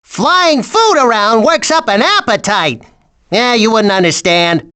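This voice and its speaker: A woman's voice: on the high side, lively intonation, a little slow, fairly bright tone. A woman voicing a cocky, scheming small bird in a video game, with a folksy, boastful, know-it-all manner. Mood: confident, scheming. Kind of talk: animated video game character acting.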